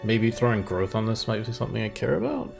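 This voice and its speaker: A man's voice: fairly low pitch, very animated, fast, gravelly. A man doing casual let's-play commentary, joking and thinking aloud in a rambling way. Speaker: gaming video host. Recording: game music behind the voice. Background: video game music.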